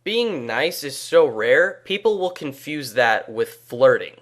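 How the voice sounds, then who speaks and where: A teenage man co-hosting a casual podcast chat, telling animated stories and laughing along. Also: mid-range voice, takes it slowly. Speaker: podcast co-host.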